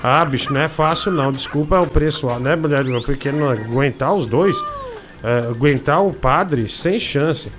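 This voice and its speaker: A man's voice: a little high, moderate pace, over music. A man hosting a casual comic live stream, mocking pictures and reading viewer messages aloud. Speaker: show host.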